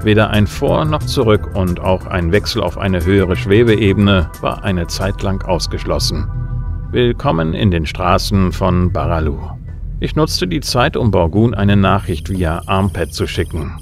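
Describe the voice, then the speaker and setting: A man's voice: sits low, lively intonation, a little slow, vocal fry, music in the background, heavily acted. An actor playing a cocky, wry bounty hunter who narrates his case in a laconic, flippant audio drama style. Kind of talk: hard-boiled first-person audio drama narration.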